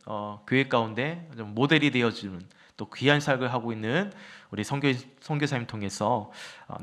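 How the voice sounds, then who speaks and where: A man, a pastor, reading scripture and introducing the speaker in a formal, measured way. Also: medium pitch, fairly bright tone.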